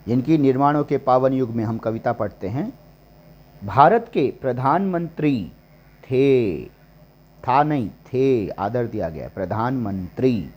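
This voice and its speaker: A man teaching a grammar lesson, slowly listing example words one at a time. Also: mid-range voice, lively intonation, a little mellow. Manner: slow and deliberate, listing examples word by word. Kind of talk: classroom-style grammar lesson.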